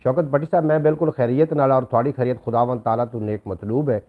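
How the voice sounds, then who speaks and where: A man's voice: medium pitch, steady tone, fast, narrow, tinny audio. A man hosting a casual live stream, courteous and full of blessings and thanks for his viewers. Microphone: new microphone.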